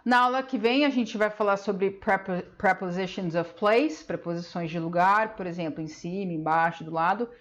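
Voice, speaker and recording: A woman with a Brazilian Portuguese accent giving a patient private English lesson, checking in often with "ok?". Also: mid-range voice. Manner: patient, explains slowly with lots of "ok?" checks. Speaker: English teacher.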